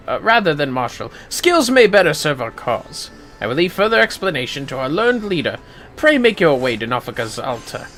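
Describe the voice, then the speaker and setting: A formal military officer from a fantasy game, read out by a man. The phrasing is stately and archaic. The voice is slightly high and moves freely in pitch. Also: fairly bright tone.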